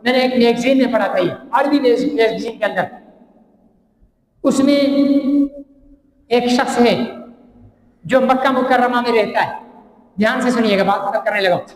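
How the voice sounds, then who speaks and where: A man's voice: very high-pitched, pauses often. A man with a Pakistani accent preaching a sermon, telling a story and asking the crowd rhetorical questions. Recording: echoey hall with long reverb.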